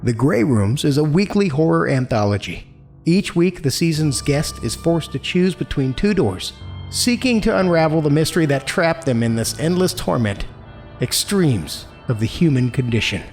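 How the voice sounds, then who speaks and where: A man's voice: fairly high pitch, expressive, normal speed, a little mellow. A man hosting a horror podcast, reading a scripted introduction in a theatrical, dramatic way. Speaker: podcast host and announcer. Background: music.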